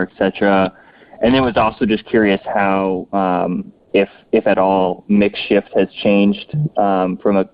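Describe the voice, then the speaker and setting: A man speaking as a financial analyst on an earnings call, asking questions in a polite, roundabout, hedging way. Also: sits low. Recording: dull lo-fi phone connection.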